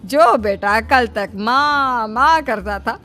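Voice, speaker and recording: A woman's voice: a little high, lively intonation, slow, bright, forceful tone, full character voice. A woman voicing a scheming, jealous middle-aged mother-in-law in a cartoon story, scolding and mocking. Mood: complaining.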